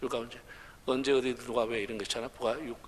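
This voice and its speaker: A man's voice: medium pitch, little pitch movement, fast talker, slight background noise. A man preaching at a revival meeting with a Gyeongsang accent, chatty and humorous, joking with the congregation. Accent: Gyeongsang Korean. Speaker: pastor. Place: large church sanctuary. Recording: reverberant church hall.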